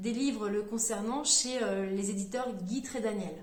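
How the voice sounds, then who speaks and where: A woman with a fairly high voice speaks at a fairly slow pace, with noticeable background noise and audible room echo. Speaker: sound therapist and shamanic practitioner. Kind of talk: video talk on spiritual symbolism. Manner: halting, stumbling over words.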